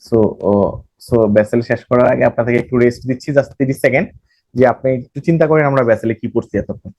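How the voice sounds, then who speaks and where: A man's voice: mid-range voice, fast talker, darkish tone, no room sound. A man from Bangladesh, giving a recorded banking lecture and repeating phrases as he explains. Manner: explains by repeating phrases, mixing in English terms, self-corrects. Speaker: banking exam tutor.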